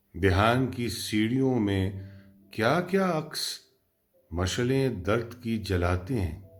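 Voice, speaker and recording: Music plays in the background as a man speaks at a medium pitch with lively intonation. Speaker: voice-over artist. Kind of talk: poetry reading. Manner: poignant, measured.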